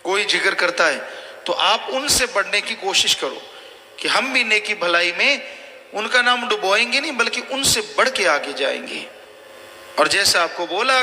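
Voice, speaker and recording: Man preaching a bright, booming sermon. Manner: exhorting, repetitive warnings. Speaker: spiritual preacher. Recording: long hall reverb, faint noise.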